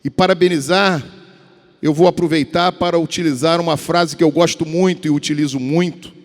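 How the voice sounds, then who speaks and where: A man's voice: fairly high pitch, steady tone, moderate pace. A man in his fifties with a Carioca accent from Rio de Janeiro, giving a formal speech as a state deputy, rambling and restarting his words. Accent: Carioca Portuguese. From Rio de Janeiro, Brazil. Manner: rambling, repeats and restarts words, addresses colleagues. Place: large legislative chamber. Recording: long reverb of a large hall.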